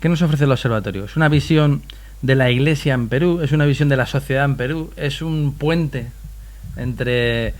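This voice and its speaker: A man's voice: medium pitch, normal speed. Hesitant male interview host. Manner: hesitant, stumbles and repeats words. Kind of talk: conversational interview hosting.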